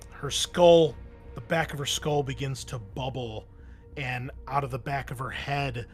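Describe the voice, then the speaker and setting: Slow-paced male game master over music. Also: medium pitch, a bit bright. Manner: vivid gory description, dramatic pauses. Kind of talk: narrating a tabletop horror game.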